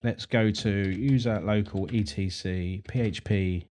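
A middle-aged man hosting a screen-recorded tech tutorial, chatty and relaxed, repeating words as he works. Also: on the low side, measured pace.

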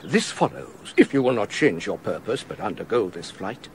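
A man's voice: on the low side, very animated, slight background noise. An actor playing a loyal, earnest male courtier who counsels a prince in a radio drama. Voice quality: earnest, persuasive, measured. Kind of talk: classic radio drama acting.

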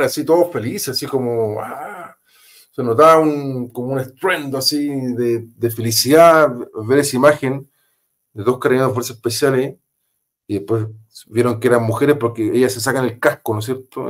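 A man with a Chilean accent, a former police officer, telling a story as an interview guest, emphatic and repetitive with casual slang. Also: mid-range voice.

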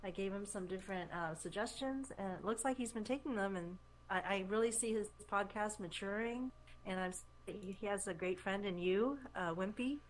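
A woman from Taiwan, Mandarin her first language, speaking as a podcast guest in a hesitant, soft way with many pauses. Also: medium pitch, a little hiss or hum, low-quality recording. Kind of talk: casual interview talk.

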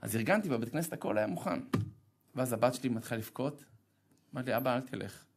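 Gravelly man telling a lively story. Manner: animated, humorous, self-deprecating storytelling; acts out dialogue with sharp pitch jumps. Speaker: rabbi giving a talk. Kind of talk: storytelling sermon.

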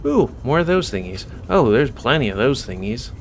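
A man's voice: medium pitch, very animated, moderate pace, a little hiss or hum. An American man giving casual, rambling let's play commentary with wry asides. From United States. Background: video game music.

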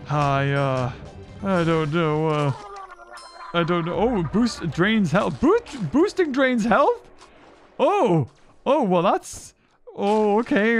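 A man giving excitable, rambling let's play commentary into a desk microphone, thinking aloud as he plays. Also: high-pitched. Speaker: gaming commentator.

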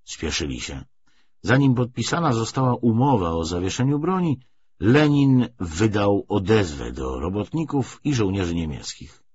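A man reading a historical novel aloud as an audiobook narrator, in an expressive, scripted literary style. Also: fairly low pitch, moderate pace, husky. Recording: dull, lo-fi audiobook recording.

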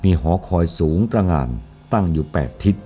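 Low, dark-toned man narrating a historical novel, steady delivery. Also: brisk, soft background music. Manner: steady, even storytelling. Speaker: audiobook narrator.

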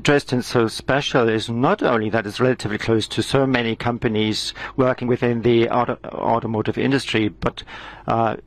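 A man works as an interpreter, putting a formal speech into English as it is given. His voice is mid-pitched and plain. He pauses often and fills the gaps with hesitations. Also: fairly even intonation. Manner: hesitant, with frequent uh fillers.

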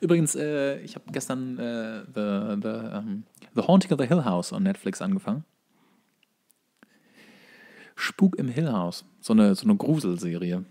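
Male podcast co-host, gravelly and fairly low, tongue-in-cheek, loose conversational delivery. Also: lively intonation, moderate pace, few pauses, mellow. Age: 30s. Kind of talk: casual, rambling comic chat.

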